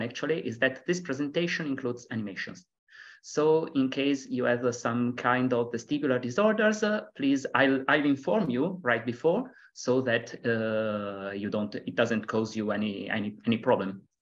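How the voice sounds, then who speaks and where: Over a quiet background, a man in an Italian accent speaks with lively intonation. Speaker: web accessibility specialist. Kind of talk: lecture.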